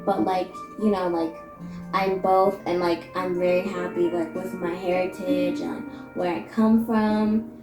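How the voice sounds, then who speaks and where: A young woman with a Canadian accent, chatting casually and haltingly, often filling in with "like". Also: lowish voice, fairly even intonation. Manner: halting, peppered with "like". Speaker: co-host. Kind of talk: casual chat. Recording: echoey room with clear music. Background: music.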